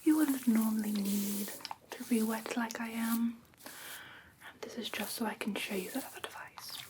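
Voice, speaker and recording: A woman playing a gentle vampire teacher, giving a patient lesson in a soft, breathy ASMR whisper. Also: fairly high pitch, fairly even intonation, noisy background, lightly acted. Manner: soft, patient, unhurried instructing. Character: female vampire teacher, gentle, instructing a human care class.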